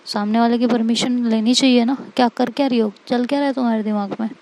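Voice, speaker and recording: A woman voicing an angry, proud young woman who scolds in sharp, rapid retorts. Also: a little high, steady tone, lightly acted. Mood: indignant.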